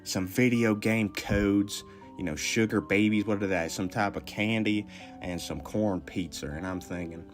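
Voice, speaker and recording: A man's voice: fairly low pitch, unhurried, soft background music, natural voice. A man playing a folksy Southern arms dealer with a Southern US accent, rambling through a comic tall tale. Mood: bemused. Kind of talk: comic in-character audio message.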